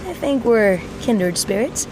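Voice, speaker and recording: Young female tinkerer, playful schemer, high voice, halting theatrical monologues, noisy backdrop. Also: animated. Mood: playful, curious. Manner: theatrical, halting, rambling speechmaker. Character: excitable young tinkerer mechanic fond of explosions, scheming and playful. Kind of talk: audio drama monologue addressed to aliens.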